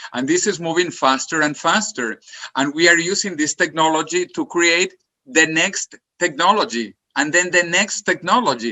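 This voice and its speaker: A man with a Spanish accent talks at a moderate pace in a high voice, his pitch varying in an ordinary way. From Venezuela. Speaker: futurist. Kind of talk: interview.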